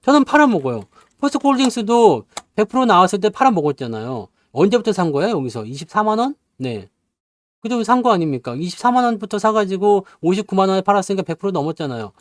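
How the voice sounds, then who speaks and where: A man's voice: sits high, very animated, quick pace, no room sound. A man giving a casual stock investing lecture, teasing listeners with constant "eh?" prompts and acting out little bits along the way. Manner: acts out bits with sound effects and playful asides.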